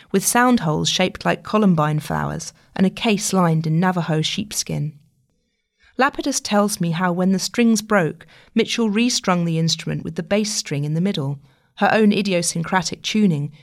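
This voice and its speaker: A woman reading a long-form magazine article aloud as a scripted narration, in the role of the journalist. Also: on the low side.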